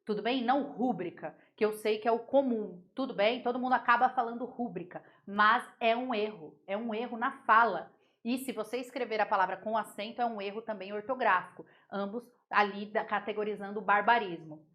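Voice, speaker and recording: A woman with a mid-range, somewhat bright voice teaches Portuguese grammar in a playful way. Laughing at frequent mispronunciations, she goes over words slowly and repeatedly to drill them.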